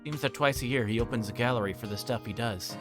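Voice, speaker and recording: A man's voice: medium pitch, fast, music in the background, close to an everyday voice. A man reading the part of a casual, slightly awkward teenage boy in a visual novel, in a plain, offhand way.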